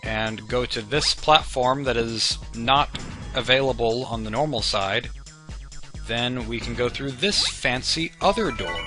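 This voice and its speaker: A young man giving casual, goofy let's-play commentary, joking about himself and tripping over his words, recorded at home on a desk mic. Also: medium pitch. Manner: goofy, self-mocking, stammering restarts. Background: video game music.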